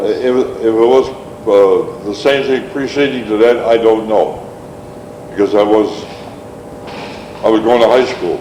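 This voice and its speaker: A medium-pitched man with an American accent at a fairly slow pace, ordinary pitch variation and long, frequent pauses, over noticeable background noise. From Syracuse, New York. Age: 80s+. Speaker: oral history interviewee. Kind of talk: interview answer.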